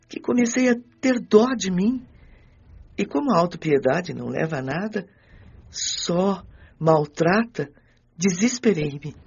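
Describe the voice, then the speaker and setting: A husky, fairly high voice of a man gives an earnest account as an anguished teenage girl's spirit in an audiobook drama. It is deliberate and emotive, on dull audio with music underneath. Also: a little mellow, heavily acted. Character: anguished sixteen-year-old girl's spirit, devout and fearful.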